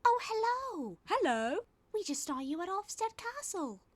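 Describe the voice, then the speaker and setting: Woman as prim, high-voiced gossiping railway coaches. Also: big pitch swings, unhurried, heavily acted. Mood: gossipy, arch.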